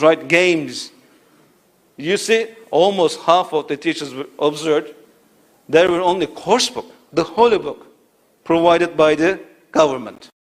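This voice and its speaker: Male academic speaker, fairly high voice, lecturing in an auditorium, rhetorical, keeps checking in with listeners. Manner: rhetorical, checks in with "right?" and "you see". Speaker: conference speaker.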